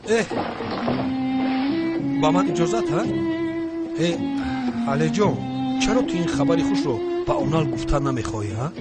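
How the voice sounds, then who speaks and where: Man voicing a halting, flustered young man. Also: fairly high pitch, loud music behind the voice, close to an everyday voice. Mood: hesitant. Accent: Tajik. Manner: hesitant, halting. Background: loud background score.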